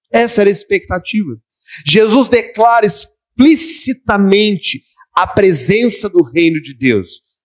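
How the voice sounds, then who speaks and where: A man with a high pitch talks fairly slowly, his voice making very wide pitch swings and big swings in loudness, in a dry, close sound with no echo. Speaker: pastor. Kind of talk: sermon-style Bible study lecture.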